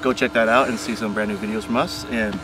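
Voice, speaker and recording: A man's voice: on the low side, quick pace. A young man chatting casually and easily outdoors as a guest, recorded on a camera mic. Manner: relaxed, casual, easygoing. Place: outdoors at a football stadium. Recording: loud outdoor noise.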